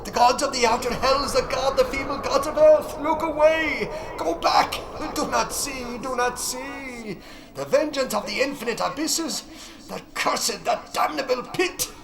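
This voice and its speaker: A man voicing a frenzied old climber of a horror tale, shrieking in drawn-out exclamations. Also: extremely high pitch, vocal fry, voice pushed up, exaggerated voice, poor audio. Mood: shrieking terror. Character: wise old mountain climber, ecstatic then terror-stricken. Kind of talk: dramatic horror audiobook acting.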